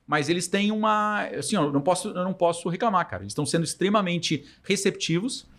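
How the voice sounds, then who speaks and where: A man's voice: high-pitched, animated, quick pace, fairly bright tone. A man with a southern Brazilian accent chatting casually as a podcast guest, slangy and anecdotal, acting out bits of imagined dialogue. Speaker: podcast guest, startup founder. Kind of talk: casual interview talk.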